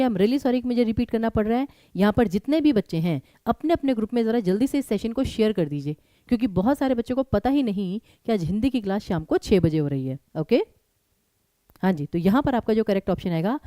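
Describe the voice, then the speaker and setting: Brisk woman teacher with a mellow voice. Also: fairly high pitch, no room sound. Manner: brisk, urging students to answer fast; mixes English words into Hindi. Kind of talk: live online exam-prep class.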